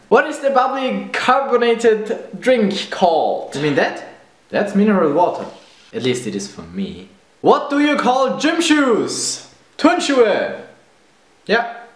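Lively German-accented young man. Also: sits high, roomy sound. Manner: playful, self-mocking, reads questions aloud then answers. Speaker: vlogger. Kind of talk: casual accent-tag video. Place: room indoors. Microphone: camera at close range.

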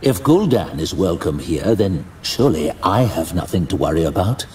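A man voicing a courteous, slightly weary archmage in a fantasy audio drama, with a dry, calm manner. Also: low voice, moderate pace, slight background noise, voice pushed down. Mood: wry, light. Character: wry, composed male archmage, weary but courteous.

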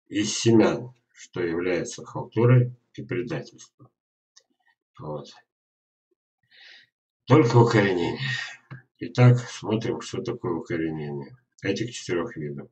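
An older man giving an informal instructional webinar talk, speaking haltingly with drawn-out words and pauses. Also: extremely low pitch, darkish tone, low-quality recording. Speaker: gardener presenting an online lesson. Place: indoors in a small dim room at a computer.

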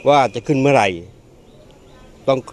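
Middle-aged man, vox pop, direct and insistent, mid pitch. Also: fairly even intonation, normal speed, a little mellow. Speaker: interviewee. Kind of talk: street interview. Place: indoors by a wall. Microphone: handheld mic.

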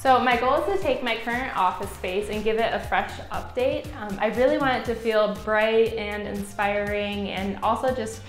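A woman's voice: medium pitch, normal speed, few pauses. A young woman chatting cheerfully about renovating her home office, recorded indoors in a room under renovation. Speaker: illustrator and graphic designer. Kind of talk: DIY renovation vlog. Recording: echoey room with music.

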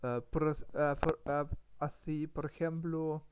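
A man slowly improvising a story as practice, with many fillers, pauses and restarts. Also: fairly high pitch, flat delivery, lo-fi sound, background noise. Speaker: language learner streamer. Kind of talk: halting improvised practice talk.

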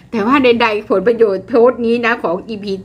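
A woman's voice: fairly high pitch, fairly even intonation, fairly quick, breathy edge, lo-fi sound. An older woman hosting her channel, casually reading and explaining online comments to viewers with lots of fillers. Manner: chatty, addresses viewers, frequent fillers, laughs at jokes. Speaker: channel host.

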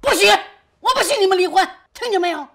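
A woman's voice: medium pitch, sing-song, normal speed, breathy edge. An actress playing an older mother-in-law in a TV drama, soothing at times, scolding and lecturing at others. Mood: commanding. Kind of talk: TV drama acting.

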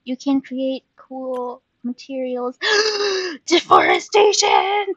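A woman's voice: sits high, lively intonation, takes it slowly, dry recording, dull audio. A woman giving casual, playful, giggly commentary as she streams a game with a friend. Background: soft game music.

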